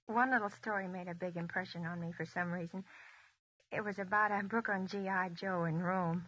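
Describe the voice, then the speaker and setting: An actress playing a young wartime woman who narrates her days in a 1940s radio drama, soft and reflective. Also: on the low side, steady tone, normal speed, low-quality recording. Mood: wistful.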